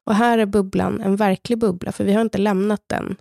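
A Swedish woman in her thirties tells a personal story slowly and intimately, in a measured way. Her voice is mellow and dark, with a gravelly fry. She is recorded close and dry, with no room sound. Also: mid-range voice, level tone, no room sound. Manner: slow, measured, intimate telling in the present tense. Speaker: podcast co-host. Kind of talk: personal storytelling, partly read from a script.

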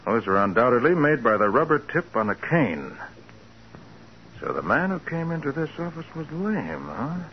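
A man playing a shrewd, brisk private detective in 1940s radio crime drama style, with a commanding, clipped delivery. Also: mid-range voice, sing-song, natural voice. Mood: intent, deducing. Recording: muffled, noisy 1940s radio recording.

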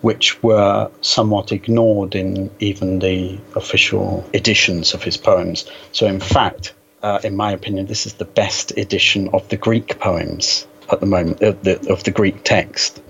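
Low-voiced man on a dull internet call. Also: steady tone, gravelly, fairly bright tone, slight background noise. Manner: measured, hesitant, scholarly, precise. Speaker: interview guest. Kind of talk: reflective literary conversation. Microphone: Skype call.

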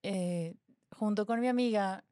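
A woman's voice: medium pitch, measured pace, mellow, no room sound, studio quality. A woman from Mexico with a Mexican accent, a podcast co-host chatting casually and telling a story full of asides. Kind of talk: casual chat.

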